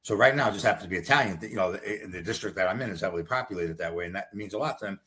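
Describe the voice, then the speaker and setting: A man's voice: low voice, racing, fairly bright tone. A man running for Congress, talking bluntly and combatively in a rambling political interview. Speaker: congressional candidate.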